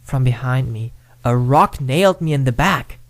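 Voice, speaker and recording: A man voicing a timid young man who stammers and blames himself, then slowly tells a ghost story in an amateur audio drama. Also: medium pitch, animated, no echo, lightly acted. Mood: storytelling. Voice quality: hesitant, stammering.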